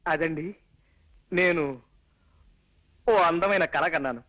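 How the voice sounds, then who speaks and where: A man's voice: a little high, slow, pushed and bright, no echo. An actor playing a dreamy young man who talks earnestly. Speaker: actor in a film comedy scene.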